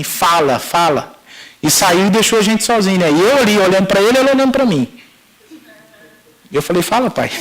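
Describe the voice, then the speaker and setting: A middle-aged Brazilian pastor with a notably high-pitched voice delivers a sermon testimony. He acts out the dialogue in the story and speaks straight to the listeners, calling them brothers. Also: fairly bright tone, low-quality recording. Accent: Brazilian Portuguese.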